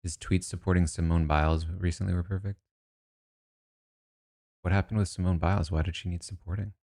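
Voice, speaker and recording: A man's voice: low voice, little pitch movement, a little fast, creaky, a little mellow. A man casually commenting and thinking aloud as he reacts to news about a reality show cast. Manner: musing, thinks aloud, asides.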